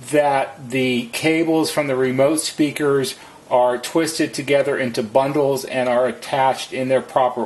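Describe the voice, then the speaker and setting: Male technician for how-to narration: unhurried, methodical, deliberate, with a somewhat husky voice. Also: medium pitch. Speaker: repair technician giving instructions.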